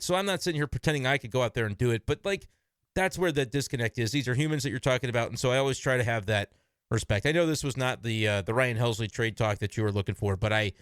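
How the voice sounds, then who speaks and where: A man's voice: medium pitch, fairly bright tone, clean tone, no room sound, clean studio sound. A man giving casual, frank solo commentary on his baseball team from his computer desk, talking in an opinionated, conversational way.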